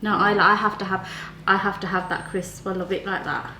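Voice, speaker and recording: A woman's voice: medium pitch, brisk, pushed and bright, slight background noise. Chatty woman in an echoey kitchen. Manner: chatty, uses "like" often. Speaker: cooking show host. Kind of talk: casual cooking chat. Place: home kitchen, indoors. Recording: roomy kitchen with faint ambience.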